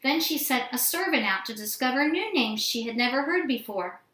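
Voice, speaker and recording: A woman reading a fairy tale aloud to children in an expressive storytelling style. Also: high-pitched, moderate pace. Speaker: storybook reader. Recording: roomy indoor echo.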